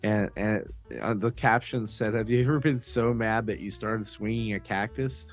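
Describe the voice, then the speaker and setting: A man's voice: on the low side, normal speed, faint music behind. A man co-hosting a podcast in loose, casual chat, swearing freely and joking crudely. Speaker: podcast co-host.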